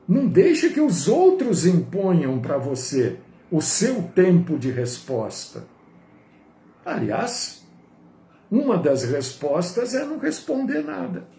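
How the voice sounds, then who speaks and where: A male pastor preaching with a high, very lively voice that rises and falls widely. He talks slowly, and his tone is mellow rather than bright. The room is roomy and echoey, with a faint ambience behind him. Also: vocal fry. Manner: animated preaching, swinging from high to low. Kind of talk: sermon.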